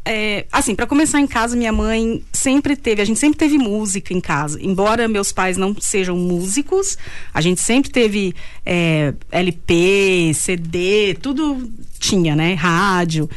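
A Brazilian woman, a singer-songwriter, chatting casually as an interview guest and telling stories with quick laughs between phrases. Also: medium pitch, animated.

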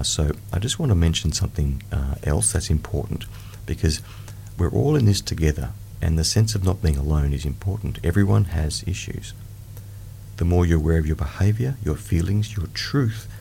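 A middle-aged man leading a guided meditation in a soft, hushed, soothing delivery. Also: low-pitched, vocal fry, slight background noise.

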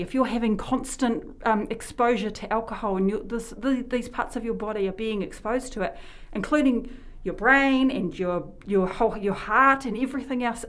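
A woman with a New Zealand accent who works in health promotion, hosting a casual radio chat and talking in a rambling way that often sidetracks itself. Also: a little high. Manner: chatty, rambling, sidetracks herself. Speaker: health promotion worker and show host.

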